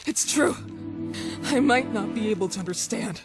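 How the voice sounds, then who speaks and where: A woman's voice: on the high side, expressive, moderate pace. An actress playing a determined woman investigator in a horror game, pressing and confrontational as she questions a suspect. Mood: probing, insistent. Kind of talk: dramatic horror game acting. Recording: music under the voice.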